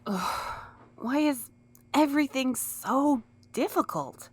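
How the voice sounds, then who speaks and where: A woman playing a gentle, earnest, sometimes exasperated courier in an audio drama. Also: high-pitched, animated, slow, breathy edge, full character voice. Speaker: voice actor in a fiction podcast. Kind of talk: scripted audio drama acting.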